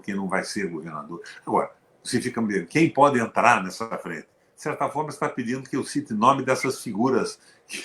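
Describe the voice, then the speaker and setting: Emphatic Brazilian man in an echoey room. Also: mid-range voice. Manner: emphatic, animated, with sarcastic asides. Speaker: former senator, show host. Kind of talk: political conversation.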